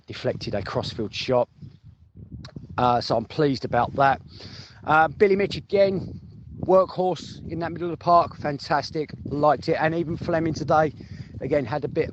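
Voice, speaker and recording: A man gives informal football fan reaction, chatting and thinking aloud, repeating phrases for emphasis. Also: mid-range voice. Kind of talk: informal voice note commentary for a fan podcast. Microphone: phone voice message. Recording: muffled lo-fi voice note, noisy, clicks.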